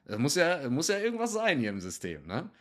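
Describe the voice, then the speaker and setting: A man's voice: on the high side, huge pitch swings, a little fast, a bit bright. A man talking as a podcast guest and meditation teacher, reflective and loose, dropping English slang into casual talk.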